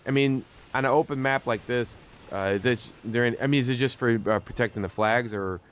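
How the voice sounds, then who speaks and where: A man with a mid-pitched voice hosts a gaming commentary. He talks in a casual, slangy way and rambles as he puts questions to his guest. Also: a little fast, a little hiss or hum. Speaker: host of a gaming video series. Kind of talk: casual interview over game commentary.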